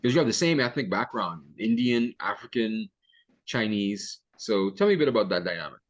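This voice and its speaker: A man hosts a podcast interview and asks his questions casually. He keeps it chatty. His pitch moves around a lot. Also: lively intonation, normal speed. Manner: chatty, many short backchannels. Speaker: podcast host.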